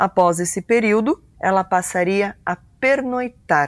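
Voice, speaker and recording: On a very clean recording with a silent background and a dry, close sound with no echo, a woman speaks very slowly at a medium pitch with ordinary pitch variation. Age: 30s. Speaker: mother of abuse victim. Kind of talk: testimony.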